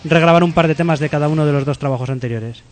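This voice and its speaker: A man's voice: a little high, rapid-fire, a little hiss or hum. A man hosting a casual interview, chatty and often breaking off to restart his words. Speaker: radio interviewer.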